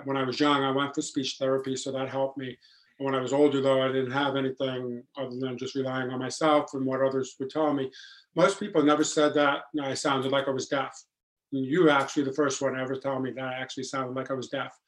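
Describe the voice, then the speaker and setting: Male podcast guest, deep flat voice, earnest with ums and restarts. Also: rough recording. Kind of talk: casual podcast conversation.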